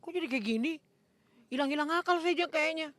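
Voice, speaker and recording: An older woman in a casual interview, animated and acting out her reactions, with frequent coughs. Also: sits high, a little fast, no room sound.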